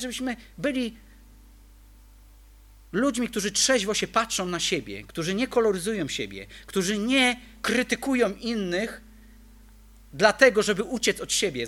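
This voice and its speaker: A man's voice: high-pitched, fairly bright tone. A man preaching a sermon, emphatic and full of rhetorical questions to the congregation.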